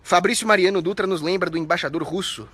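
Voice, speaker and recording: A young man with a Brazilian Portuguese accent, talking with a fairly high, bright and forceful voice. He hosts a live stream and works through viewer comments. He rants in an indignant, profane way. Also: fast, husky. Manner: shouts out viewers' names. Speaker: livestream host.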